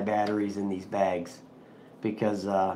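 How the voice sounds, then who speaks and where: There is audible room echo around a man as he talks. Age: 60s. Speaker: YouTuber reviewing quadcopters, heating technician. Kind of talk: casual live stream chat. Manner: casual, rambling with fillers.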